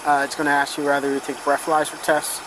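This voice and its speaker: A man's voice: a little high, completely flat delivery, quick pace. A male police officer casually explaining procedure in an informal, matter-of-fact way, recorded on a body camera. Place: outdoors at a roadside by vehicles. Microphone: body-worn camera. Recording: noisy bodycam outdoors near car engine.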